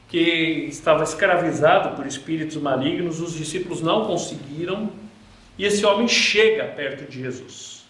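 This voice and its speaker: A man with a high-sitting, slightly bright voice teaches a Bible class to a group in a room with a projector. He preaches earnestly in a repetitive cadence, repeating phrases for emphasis, and the hall gives the recording a roomy echo.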